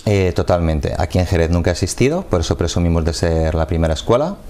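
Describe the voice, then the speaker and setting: A man, a football coach explaining his sport in a measured way during a TV studio interview on a lapel mic. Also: sits low, animated, warm tone. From Madrid, Spain. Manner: measured, explanatory, gestures with hands.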